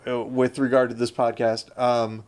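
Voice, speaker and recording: A man's voice: medium pitch, little pitch movement, normal speed, a little mellow, slight background noise. A man co-hosting a podcast, chatting casually with dry sarcasm and rambling asides. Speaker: podcast co-host. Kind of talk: casual chat.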